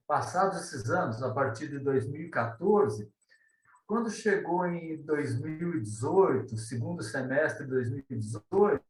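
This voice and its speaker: High-voiced man in a roomy echo. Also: far from the mic. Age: 50s. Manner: meandering, hesitant, frequent tag questions. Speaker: guest, ufology author. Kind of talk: conversational interview storytelling.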